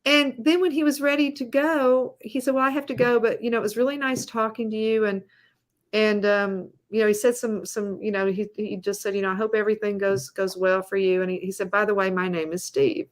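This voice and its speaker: A woman's voice: mid-range voice, flat delivery, brisk. A middle-aged woman, a guest on a video call, telling stories in a rambling, casual way. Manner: rambling storyteller with many fillers and restarts. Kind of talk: casual interview chat.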